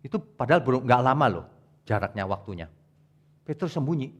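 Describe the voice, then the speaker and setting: A male pastor preaching a sermon, emphatic, jumping between loud rebukes and quiet asides as he speaks straight to his congregation. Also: mid-range voice, big pitch swings, a little fast. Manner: colloquial, addresses congregation directly.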